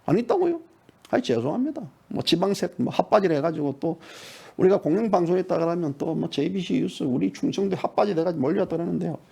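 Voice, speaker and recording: A middle-aged man giving heated, mocking partisan political commentary, dropping to low mutters and jumping to sudden high shouts. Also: fast, gravelly, husky.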